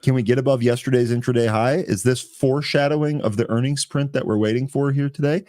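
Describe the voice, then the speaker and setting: A man co-hosting a live trading show, calling out tickers and chart levels in brisk, quick succession. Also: mid-range voice, fairly even intonation, darkish tone, no room sound, studio quality. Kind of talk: live market commentary.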